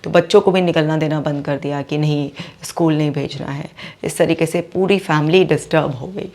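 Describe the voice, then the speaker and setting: A woman psychologist with a low voice teaches through a patient's case. Her tone has a gravelly edge, and she acts out the patient's inner thoughts with lots of repetition. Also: fairly even intonation, a little fast, darkish tone. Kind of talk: explaining a case in a video lesson.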